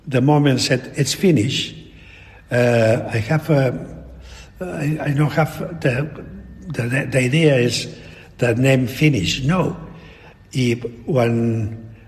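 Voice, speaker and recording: A very old man with a Spanish accent, talking reflectively in an interview in halting, broken English with repeated words. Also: mid-range voice. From Spain. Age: elderly. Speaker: painter being interviewed. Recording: long echoing reverb in a hall.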